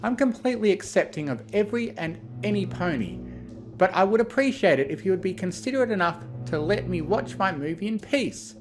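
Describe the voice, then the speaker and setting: A man's voice: high voice, lively intonation, fairly quick, faint music behind, pitched above the performer's own voice. A man voicing an exasperated young princess. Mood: deadpan. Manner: exasperated, curt.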